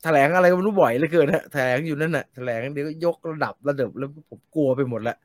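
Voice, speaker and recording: A man co-hosting a loose live chat with his voice sitting a little high for a man. He reads out viewer questions and wanders off into long, rambling answers. The sound is close and dry, with no room echo. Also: fast talker. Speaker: co-host reading viewer comments. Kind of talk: casual chat.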